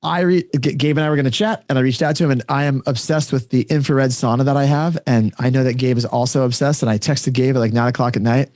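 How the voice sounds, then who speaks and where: A man talks quickly as a podcast co-host in a casual, chatty way. His delivery rambles and is peppered with informal slang. The sound is dry, with almost no room in it. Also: mid-range voice, fairly even intonation, darkish tone, no echo. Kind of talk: casual chat among friends.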